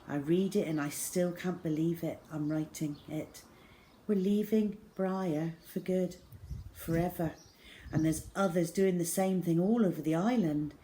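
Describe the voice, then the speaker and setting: A woman reading a children's book aloud as an expressive storyteller, with measured, dramatic phrasing. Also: low-pitched. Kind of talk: expressive storytelling, scripted narration. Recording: clear background noise.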